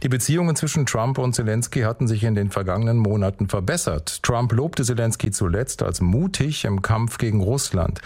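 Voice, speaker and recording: A male correspondent delivering a scripted news report in a measured, neutral tone. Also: on the low side, animated, a little mellow.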